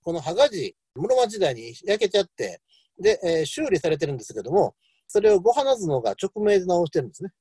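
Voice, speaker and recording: A man lectures on history in a loose, digressive way, with a light lilt. His voice is mellow and lively in pitch, and he fills pauses with hesitations. The sound is dry and close. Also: slightly rough, no echo. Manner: rambling, many fillers, lively asides.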